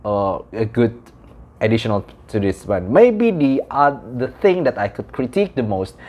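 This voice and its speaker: A young man gives a casual product review to camera, in halting, repetitive phrasing. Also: medium pitch, big pitch swings, a little mellow. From Indonesia. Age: young adult. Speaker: audio gear reviewer. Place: small room indoors.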